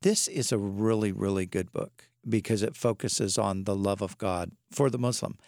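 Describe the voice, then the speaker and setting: A man's voice: lowish voice, vocal fry, no echo, clean studio sound. A man speaking as a church guest, explaining earnestly.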